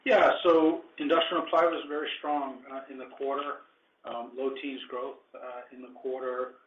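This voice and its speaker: A man, a company executive, answering analyst questions on an earnings call with measured phrasing and frequent ums. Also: medium pitch, little pitch movement, a little hiss or hum. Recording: tinny phone line, roomy.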